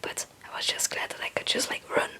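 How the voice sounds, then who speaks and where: A young woman, a native Dutch speaker, whispering breathily in a rambling, halting, casual ASMR chat. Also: sharp tone. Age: young adult. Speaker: ASMR video creator.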